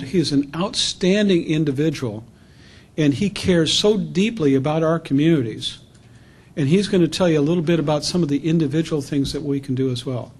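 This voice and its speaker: Guy introducing the speaker at a business lunch, kinda high, husky, really keen. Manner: warm, enthusiastic praise. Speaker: event presenter introducing the speaker. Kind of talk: formal introduction. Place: luncheon event room.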